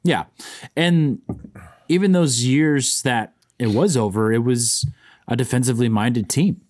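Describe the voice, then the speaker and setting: A man's voice: medium pitch, measured pace, a little mellow. A man co-hosting a sports podcast, giving his casual, off-the-cuff commentary.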